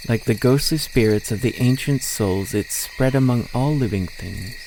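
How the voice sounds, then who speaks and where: A man's voice: medium pitch, normal speed, gravelly, background noise. A man reading a scripted story as the narrator of an audio drama. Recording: faint outdoor nature ambience.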